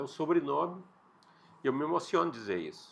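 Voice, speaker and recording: A man talks at a very fast pace. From Brazil, Goiás (Goiânia and interior towns). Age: 60s. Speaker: journalist and political candidate. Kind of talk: interview.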